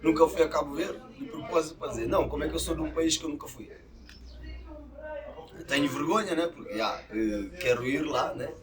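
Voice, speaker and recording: A man's voice: on the high side, a little fast. A young man born in Portugal, talking casually and emphatically in a documentary interview. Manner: relaxed, colloquial, emphatic. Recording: distant mic with crowd noise.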